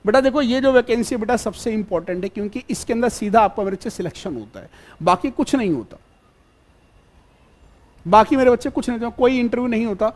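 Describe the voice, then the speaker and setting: High-pitched guy teaching an online exam class, talks to students like a dad, keeps asking if it's clear. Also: expressive, fast talker. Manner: fatherly, keeps calling students "beta" and checking if they follow.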